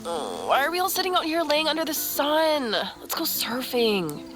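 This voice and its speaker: Woman acting playful young wife, restless, casual, higher pitch, comedic audio drama, music behind. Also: huge pitch swings, normal speed. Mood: restless, breezy. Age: 20s. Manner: teasing, casual.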